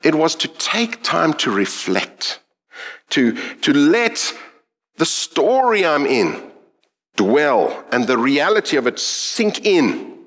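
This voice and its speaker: A middle-aged man with a South African accent delivers a sermon. He speaks earnestly and reflectively, pausing to think. His pitch swings widely across phrases. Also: very animated, a bit bright. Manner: reflective, earnest, with thoughtful pauses. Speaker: preacher.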